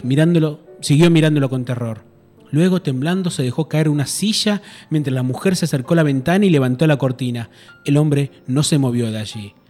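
A man, a radio host, reading a horror story aloud in a measured, suspenseful way. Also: on the high side, darkish tone.

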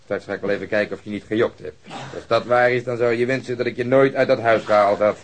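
An actor playing a brutal, sarcastic police detective who bullies a suspect in a radio drama. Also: male voice, on the low side, steady tone, quick pace, a little hiss or hum, lightly acted. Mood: menacing. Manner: threatening, sneering interrogation.

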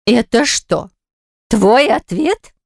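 A woman voicing an older mother and grandmother who nags and flares up quickly. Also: medium pitch, lightly acted. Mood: indignant. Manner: emotional, scolding, nagging.

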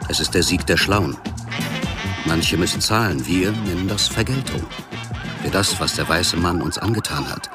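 An actor as a very deep-voiced cynical scammer. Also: male voice, moderate pace, natural voice. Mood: defiant. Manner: matter-of-fact, self-justifying. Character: cynical, defiant Nigerian internet love scammer. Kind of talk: radio drama monologue. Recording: music under the voice. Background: music.

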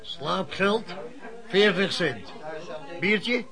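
Creaky, gruff innkeeper. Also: male voice, high voice, animated, very slow, over music, exaggerated voice. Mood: curt. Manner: curt, blunt, scornful. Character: gruff, mocking male innkeeper, greedy and hostile. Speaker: actor in a radio play. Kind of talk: Dutch radio drama acting.

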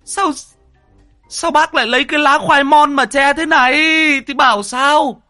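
A man's voice: very high voice, moderate pace, bright, forceful tone, dry recording, faint music behind, pitched above the performer's own voice. A man voicing exasperated young village men who whine and plead in comic storytelling.

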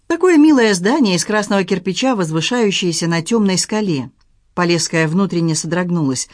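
A narrator reading a novel aloud in an even, measured storytelling manner. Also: medium pitch, no room sound, clean studio sound.

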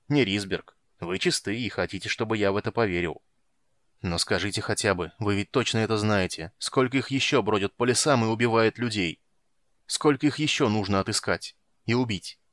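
An actor playing a sardonic adult male monster hunter who speaks low and mocking. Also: fairly bright tone, dry recording, clean studio sound, lightly acted.

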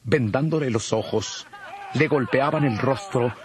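A man reading scripted Bible narration in a formal, measured, solemn manner. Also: mid-range voice.

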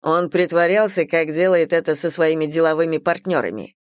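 A man's voice: on the high side, brisk, clean tone, no room sound, clean studio sound, lightly acted. A woman reading an audiobook voices a blunt, demanding young businessman who gives orders. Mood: flat. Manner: blunt, commanding.

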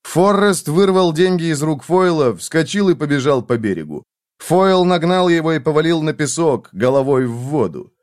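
A man narrating an audiobook in a tense, expressive reading style. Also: on the high side, normal speed, dry recording, studio quality.

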